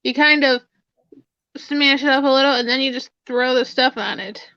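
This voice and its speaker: A woman's voice: sits high, fairly even intonation, moderate pace, bright, forceful tone, dry recording. Laid-back woman on dull, lo-fi call audio. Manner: laid-back, slangy, teasing. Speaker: guest on a live chat. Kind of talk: casual chat among friends.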